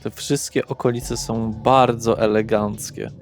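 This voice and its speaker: A man narrating a tabletop roleplay session as game master, measured and deliberate. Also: lowish voice, flat delivery. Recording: faint music behind.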